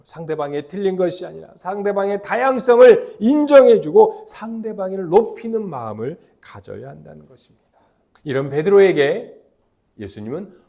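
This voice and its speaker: A middle-aged man preaching a sermon as pastor, emphatic and lively, leading the congregation in call-and-response chants. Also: high voice, normal speed.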